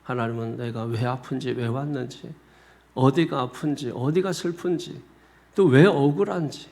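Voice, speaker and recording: A man's voice: medium pitch, normal speed, vocal fry. A man, a senior pastor, preaching a sermon and telling a personal story, often speaking straight to his congregation. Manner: animated storyteller, often addressing the congregation directly. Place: church sanctuary.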